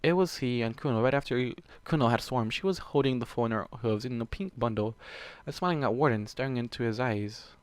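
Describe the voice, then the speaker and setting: A man with a mid-pitched voice reads fan fiction aloud in a close, dry recording. He narrates dramatically and slips into casual, sweary commentary, clearly invested in what happens. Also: fairly quick, few pauses, darkish tone, dry recording. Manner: emotionally invested, exasperated asides. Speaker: fan fiction reader and channel host. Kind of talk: dramatic story reading with casual profane reactions.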